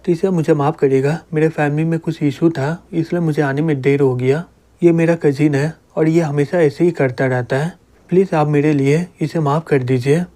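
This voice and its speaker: A man's voice: a little high, steady tone, moderate pace, dark tone, close to an everyday voice. A man voicing a fierce young noblewoman who scolds others and defers to her teacher. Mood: scolding. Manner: scolding, commanding. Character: fierce young woman, loyal noble student.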